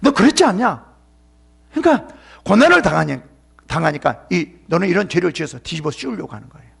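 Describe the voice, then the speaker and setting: A man's voice: sits high, very animated, a little fast, gravelly, breathy edge. A man pastor giving an emphatic sermon at a church seminar, addressing listeners sharply and sometimes dropping into a whisper.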